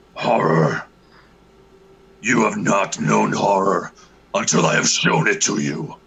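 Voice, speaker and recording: A man puts on a character voice pitched very deep and low. He speaks fairly slowly, with long, frequent pauses. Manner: menacing, dramatic.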